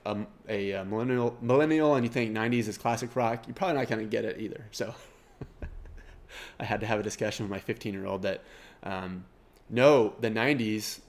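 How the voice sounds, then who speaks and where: A middle-aged man with a Kansas twang and a nasal voice, hosting a podcast in a rambling, self-deprecating casual monologue. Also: mid-range voice. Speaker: podcast host.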